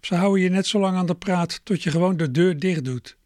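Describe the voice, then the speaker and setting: Man doing a high, sharp-tongued aunt, fussy and scolding, storybook reading, dry sound. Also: fairly quick, dry recording, lightly acted. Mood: irritated. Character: stern fussy middle-aged aunt.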